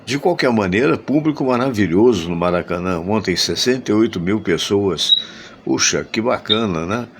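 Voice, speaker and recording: Brazilian male host with a stuffed-up nasal voice, low-pitched, folksy, over a video call. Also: expressive, moderate pace, slight background noise. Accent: Brazilian Portuguese. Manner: folksy, chatty, many "né?" tags. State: stuffy nose from a flu shot. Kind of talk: casual sports chat.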